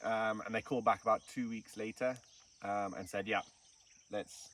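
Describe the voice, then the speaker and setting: Male guest from Kenya, relaxed storyteller, interview recorded at a distance outdoors. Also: fairly low pitch, normal speed. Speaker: snake farm curator. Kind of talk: casual interview. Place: outdoors in the bush. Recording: distant mic with faint insect noise.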